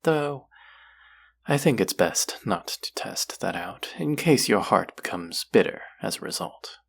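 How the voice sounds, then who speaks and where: A male actor plays a seductive, possessive demon in an intimate audio drama. The voice is very low and husky, and it moves slowly. The delivery is teasing and menacing, often sinking into a whisper. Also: very animated, heavily acted. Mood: wry, probing. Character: possessive, seductive demon who craves human hearts. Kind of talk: intimate scripted audio roleplay.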